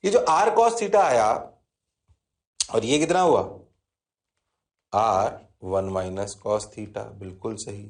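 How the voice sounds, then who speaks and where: A man's voice: on the low side, slow pace, long pauses. A man with an Indian accent teaching physics in a classroom lecture, repeating key phrases and answering his own questions in his students' voice. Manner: talks to students, answers himself in their voice; repeats key phrases, mixes English terms in.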